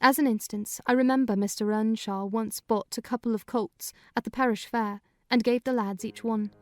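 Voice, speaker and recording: A woman's voice: fairly high pitch, steady tone, a little mellow, no echo. Woman reading a classic novel aloud. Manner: measured, clear storytelling. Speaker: reader of a novel. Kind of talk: dramatized first-person narration.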